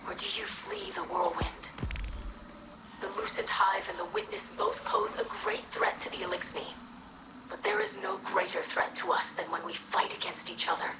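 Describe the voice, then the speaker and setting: A woman playing an earnest young alien scribe in a video game, speaking solemnly and formally in a breathy, creaky rasp. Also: very high-pitched, huge pitch swings, moderate pace, in a whisper, heavily acted. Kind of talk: video game character acting. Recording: echoing voice with music behind.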